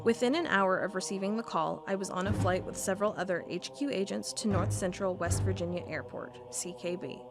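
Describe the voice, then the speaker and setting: A woman's voice: mid-range voice, fairly quick, creaky, hardly any pauses, lightly acted. A woman playing a determined federal agent. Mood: formal. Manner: earnest, intent, reads formally. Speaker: investigating agent. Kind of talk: audio drama monologue reading a report. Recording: music bed under voice.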